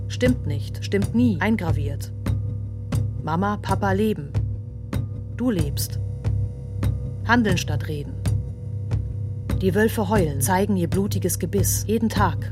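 An actress playing a grave female narrator of a tormented childhood in a literary radio play, speaking in stark, clipped, emphatic phrases. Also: on the low side. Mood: bitter, urgent. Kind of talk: literary radio play monologue, terse fragmented delivery.

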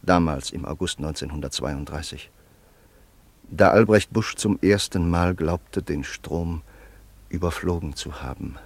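An actor playing a grave, reflective family friend who narrates in a solemn, measured way in a radio drama. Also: male voice, deep voice, gravelly, breathy edge, no echo, full character voice. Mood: solemn, elegiac.

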